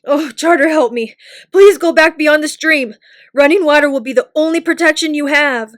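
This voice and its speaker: A woman's voice: sits high, steady tone, brisk, no room sound, studio quality, close to an everyday voice. A woman voicing an anxious young male hero who speaks urgently and pleads. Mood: pleading.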